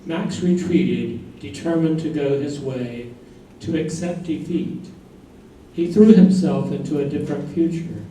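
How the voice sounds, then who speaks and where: A man's voice: fairly high pitch, measured pace, warm tone. A man narrating in a staged play reading, delivering scripted lines. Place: live staged reading in a room. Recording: very echoey room, distant mic, faint noise.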